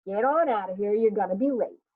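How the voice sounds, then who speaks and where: A woman's voice: mid-range voice, brisk, narrow, tinny audio, lightly acted. Woman playing stern, tired, loving young mother. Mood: teasing. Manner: scolding, dry, clipped commands.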